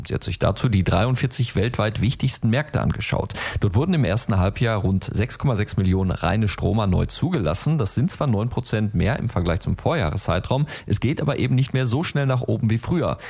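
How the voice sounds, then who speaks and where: A man reading a radio news bulletin in a steady, formal way. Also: lowish voice, creaky, slightly rough. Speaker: newsreader.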